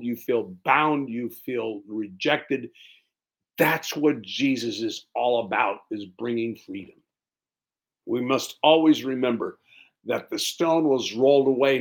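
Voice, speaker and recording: Slow, deliberate male preacher. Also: mid-range voice, low-quality recording. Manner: slow, deliberate preaching with emphatic lists and quiet drops. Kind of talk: Easter sermon.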